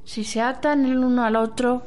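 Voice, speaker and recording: A woman playing a wise old tribal grandmother in an amateur radio play, speaking in a measured, instructing way. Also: on the high side, steady tone, a little mellow, close to an everyday voice. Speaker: amateur radio drama actor.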